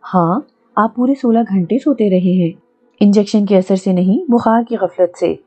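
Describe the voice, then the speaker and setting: A woman playing a gentle young doctor. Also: mid-range voice, normal speed, husky, highs cut off, faint music behind, lightly acted. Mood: matter-of-fact. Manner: gently coaxing.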